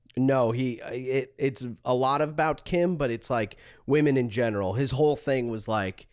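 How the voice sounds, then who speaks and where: A man with an unremarkable speaking voice talks at a fairly slow pace, his medium pitch moving with ordinary variation, on a very clean recording with a silent background. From Long Island, New York. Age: 30s. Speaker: comedian. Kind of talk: casual chat.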